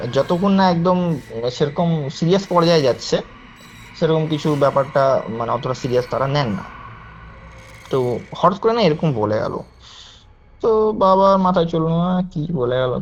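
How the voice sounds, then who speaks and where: A man's voice: mid-range voice, highs cut off. A young man, casually telling a true ghost story on a call and checking in with the listener. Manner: chatty, keeps checking in with the listener.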